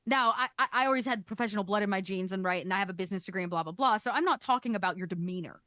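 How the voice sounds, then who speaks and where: A woman's voice: medium pitch, racing, a bit bright, no room sound, studio quality. A woman speaking casually as an interview guest, informal and often voicing imagined remarks as she explains her work. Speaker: guest, game master and content production manager.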